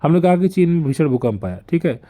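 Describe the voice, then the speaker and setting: Very animated and quick, a young man whose mellow voice runs a little high gives an online lesson about teaching languages. He lays things out step by step, sprinkling in "dekhiye" and "theek hai" to check in frequently.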